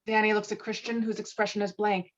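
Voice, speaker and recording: A woman narrates screenplay stage directions in scripted style. Her pitch is mid-range for a woman, and the recording is a little dull, like an online call. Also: little pitch movement, fast. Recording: slightly muffled online call audio.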